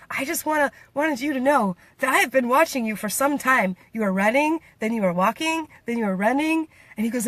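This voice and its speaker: A woman from Washington State, United States, laughs frequently and acts out others' lines while chatting playfully in a casual vlog. Her voice is high, pushed and bright. The recording is dry.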